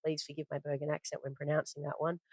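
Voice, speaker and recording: A woman's voice: low-pitched, level tone, quick pace, a little mellow, dry recording. A woman hosting a commodities podcast, talking through her notes in a conversational way, with fillers and self-corrections. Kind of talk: casual spoken market commentary from notes.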